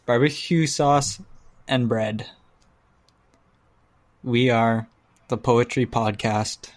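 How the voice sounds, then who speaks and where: A man's voice: medium pitch, fairly even intonation, extremely slow. Casual joking man, podcast banter. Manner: informal, loosely swearing, joking. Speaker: podcast co-host.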